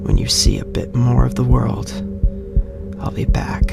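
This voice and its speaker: A man voicing a sadistic serial killer in a horror audio drama, with a gravelly, breathy, menacing delivery that mocks comfort. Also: medium pitch, in a whisper. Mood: mock-soothing menace. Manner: slow, drawn-out, hushed then snarling. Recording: loud music bed under voice. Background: loud music.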